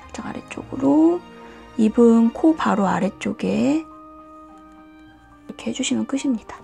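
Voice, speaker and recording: Soft-spoken woman with a gravelly edge. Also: on the high side, faint music behind. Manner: calm, slow, often drops to a whisper. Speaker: nail art tutorial host. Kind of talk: soft-spoken step-by-step drawing tutorial. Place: indoors at a desk, hands on camera.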